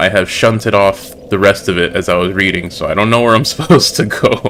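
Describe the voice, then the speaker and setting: A man with an American accent at a very fast pace, fairly low in pitch with ordinary pitch variation, amid noticeable background noise. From US, Florida. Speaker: gaming streamer. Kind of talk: live stream commentary. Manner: casual, with repeated words.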